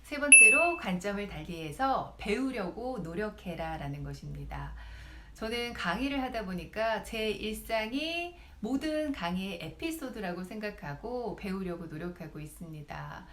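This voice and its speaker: A woman speech lecturer talks straight to her viewers, giving advice. Her pitch rises and falls a great deal as she speaks. The room around her rings with a noticeable echo. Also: measured pace, slight background noise. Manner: lively, directly addresses viewers. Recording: roomy echo.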